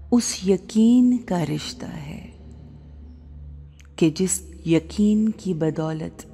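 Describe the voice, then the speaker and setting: A woman with a slightly low, mellow voice leads a devotional meditation over background music. She speaks extremely slowly, setting out one short phrase at a time and leaving pauses between them. Her delivery is often hushed and breathy. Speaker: guided meditation leader. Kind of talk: slow devotional guided meditation.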